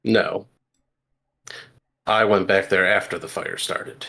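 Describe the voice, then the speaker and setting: A man with a very low voice full of fry plays a tabletop game. He speaks casually, in terse replies. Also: fairly even intonation, slow pace, sharp tone. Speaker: tabletop role-playing game player. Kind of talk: casual game chat and role-play.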